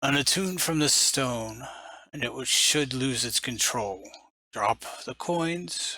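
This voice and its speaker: In a raspy put-on character voice, a man talks at a medium pitch and a fairly slow pace, with lively intonation. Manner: commanding.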